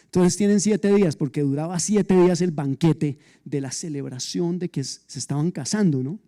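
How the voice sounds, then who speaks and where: A male pastor preaches in a high, mellow voice. He retells a story in an animated, conversational way and breaks off for joking asides to his listeners. His delivery moves between playful commentary and the narration itself. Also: normal speed. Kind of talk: sermon.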